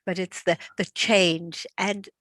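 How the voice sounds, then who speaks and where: A woman's voice: fairly low pitch, fairly even intonation, slow, a bit bright, no echo. Older woman, class instructor, chatty, video call, dry close sound. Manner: chatty, friendly, lots of fillers and restarts. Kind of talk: casual chat before an online class. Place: at home.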